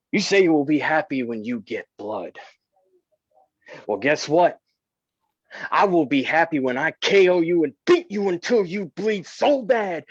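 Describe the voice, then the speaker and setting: Dull muffled recording, tough old wrestler, acted by a man, raspy, determined, boastful, staged promo. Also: a little high, dry recording. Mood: threatening. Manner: boastful, emphatic, repetitive. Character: tough, determined old underdog wrestler hyping big match.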